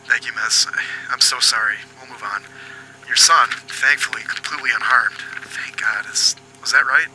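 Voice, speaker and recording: A man playing a foul-mouthed but apologetic police agent in an audio drama, questioning politely and haltingly. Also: medium pitch, pushed and bright, a little hiss or hum, rough recording. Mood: businesslike, apologetic. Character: foul-mouthed, apologetic male detective agent hunting a killer.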